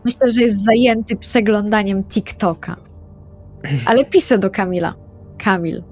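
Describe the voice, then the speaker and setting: A woman's voice: mid-range voice, unhurried, a little mellow, soft background music, close to an everyday voice. A woman playing an earnest, hesitant, remorseful young female vampire in an improvised roleplay audio drama. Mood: determined.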